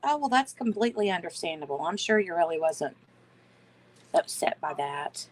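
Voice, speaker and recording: A woman's voice: lowish voice, big pitch swings, moderate pace, slight background noise. A woman guest co-host in a casual livestream chat, supportive and encouraging.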